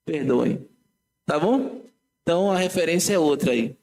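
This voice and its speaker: A Brazilian pastor, a man, teaches his congregation in a relaxed, conversational way, stopping to correct himself and speaking straight to the people. His voice sits a little higher than most men's. He sounds like a man leading a Bible study in church. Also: moderate pace. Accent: Brazilian Portuguese. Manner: conversational, self-correcting, addresses congregation directly. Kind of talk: teaching Bible class sermon.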